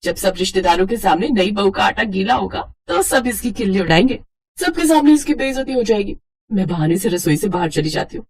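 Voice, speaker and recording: A woman's voice: medium pitch, animated, fairly quick, darkish tone, husky. A woman voicing a scheming jealous sister-in-law. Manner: sly, conspiratorial.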